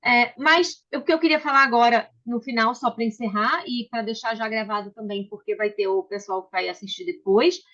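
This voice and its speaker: A woman's voice: fairly high pitch, brisk, hardly any pauses, sharp tone. A woman hosting a book club on a video call, chatty and welcoming, with frequent restarts. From Brazil. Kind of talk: casual video call chat. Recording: slightly dull video call audio.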